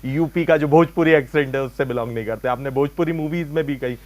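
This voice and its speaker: A man's voice: a little high, quick pace. Man, news interviewer, polite, hesitant, filler-heavy questions, faint mains hum.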